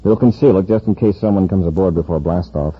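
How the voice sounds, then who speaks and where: A man playing a calm, steady space commander who gives firm orders in a 1950s radio drama. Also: low voice, quick pace, slightly rough. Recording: dull old radio broadcast with faint hiss.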